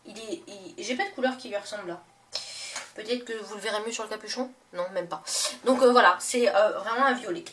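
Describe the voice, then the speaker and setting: A woman's voice: medium pitch, brisk, fairly bright tone, far from the mic. A young woman talking casually in a makeup haul vlog, chatty and gushing, with many fillers and self-corrections. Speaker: beauty vlogger.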